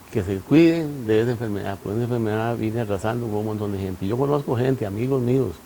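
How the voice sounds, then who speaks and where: A man talks at a very fast pace with hardly any pauses and ordinary pitch variation. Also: medium pitch for a man. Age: 60s. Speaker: diabetic patient. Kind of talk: testimony. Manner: halting.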